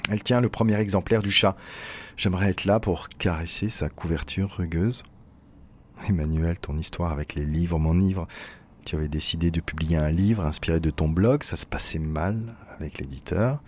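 A man reading a literary first-person text as narrator, in an intimate, measured way. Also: low voice, a little mellow.

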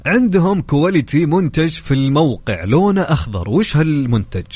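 A man's voice: fairly high pitch, animated, a little fast, a little mellow, husky, dry recording. A man with a Saudi accent hosting live radio, effusive, welcoming and colloquial, chatting through contests and announcements. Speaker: radio show host. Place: radio studio. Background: music bed.

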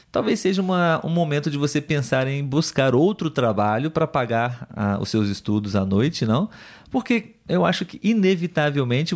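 Brazilian man hosting, measured and conversational. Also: mid-range voice, a little mellow. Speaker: host of a Portuguese-learning live show. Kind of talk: conversational teaching, reading viewer comments.

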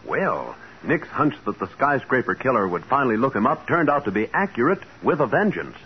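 A man's voice: mid-range voice, big pitch swings, fairly quick. A man announcing and narrating in a dramatic, polished 1940s radio style. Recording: muffled 1940s radio recording. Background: loud music.

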